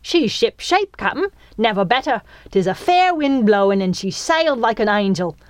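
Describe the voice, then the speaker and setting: Eager little storybook deckhand, acted by a woman, high-pitched, chattering, cheerful sailor. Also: sing-song, normal speed, no echo, studio quality. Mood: cheery. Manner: eager, nautical sailor talk. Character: cheery, chattering little pirate first mate, male.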